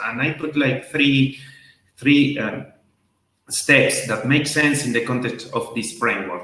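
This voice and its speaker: A moderate-paced voice with a Spanish accent and audible room echo. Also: man. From Argentina. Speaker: author and leadership expert. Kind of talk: interview. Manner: halting, many fillers and repetitions.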